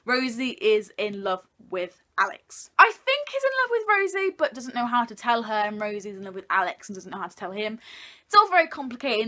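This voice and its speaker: A woman's voice: medium pitch, bright, forceful tone. A young woman talking casually and informally to her viewers like a video blogger, jokey and opinionated. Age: young adult. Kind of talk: casual chatty countdown review to camera.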